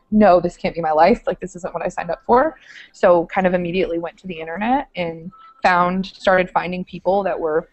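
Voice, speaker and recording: Speaking over a headset from a small room lined with bookshelves, a young woman who teaches social studies chats enthusiastically on a video call, dropping lots of fillers. Her voice is on the low side and darkish, and the recording is rough, with no room sound.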